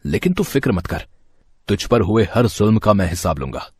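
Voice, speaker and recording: A man's voice: on the low side, big pitch swings, moderate pace, darkish tone, breathy edge, no room sound. A man voicing a grown son fiercely loyal to his mother, firm and reproachful. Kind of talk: storybook voice acting.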